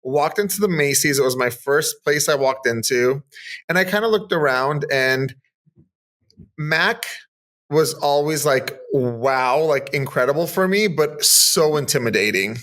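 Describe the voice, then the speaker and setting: Chatty upbeat man with a fairly high voice. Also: expressive, a little slow, a bit bright. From Southern California. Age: 30s. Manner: chatty, upbeat, with many "like" fillers. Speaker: guest, makeup artist. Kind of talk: casual interview chat.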